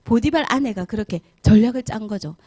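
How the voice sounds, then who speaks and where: A woman, a pastor's wife, telling a Bible story to children in Sunday school, animated and asking them questions. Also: a little high, fairly quick, no echo.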